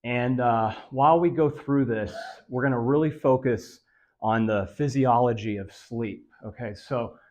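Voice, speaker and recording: A man presenting a health lecture to seniors in a meeting room, his voice raspy and nasal and a bit dry from allergies, talking in a monotone with many fillers. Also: medium pitch, a little slow. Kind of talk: live lecture to a senior audience.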